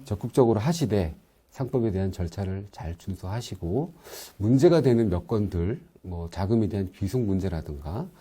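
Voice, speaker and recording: Male consultant guest, low pitch, husky tone, calm measured delivery. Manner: calm, steady, agrees often with short replies. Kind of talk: interview answers.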